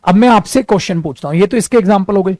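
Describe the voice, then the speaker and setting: A man with an Indian accent teaching spoken English, mixing Hindi and English, repeating his English lines slowly and calling his students "beta" and "dear". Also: high voice, darkish tone, no room sound. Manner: addresses listeners fondly as "beta" and "dear".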